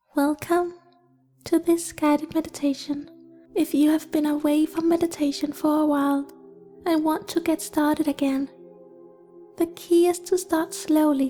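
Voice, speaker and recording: Over background music, a woman with an extremely high pitch speaks at a fairly slow pace in a calm, soothing tone, her intonation fairly even and her loudness very even. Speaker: meditation guide. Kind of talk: guided meditation. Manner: calm, slow, soothing.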